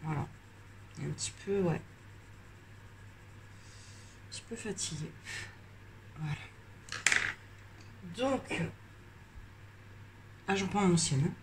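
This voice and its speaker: Tired, stuffy woman, low voice. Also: animated, background noise. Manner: rambling, hesitant, many fillers and pauses. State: tired and slightly congested. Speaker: coloring vlogger. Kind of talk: casual chat while coloring on camera.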